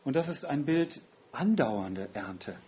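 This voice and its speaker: A man's voice: mid-range voice, sing-song, slow pace, darkish tone. A man preaching a sermon in an earnest, reflective way, often asking rhetorical questions.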